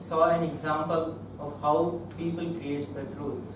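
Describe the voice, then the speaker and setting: There is noticeable background noise along with audible echo from the room. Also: man. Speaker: meeting host introducing speaker. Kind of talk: speaker introduction. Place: meeting room. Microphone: camera far.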